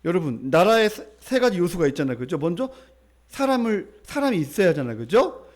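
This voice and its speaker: A male pastor delivers a sermon in church. His voice sits high for a man and moves lively up and down as he tells his story. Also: a little fast. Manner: animated storytelling, acting out the people in his story.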